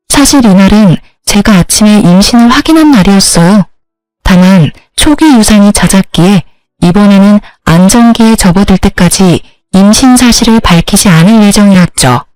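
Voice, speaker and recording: A woman narrates her own story in a calm, confessional first-person voice at an average pitch. The recording is dry and close, with faint background music underneath. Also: no room sound, low-quality recording.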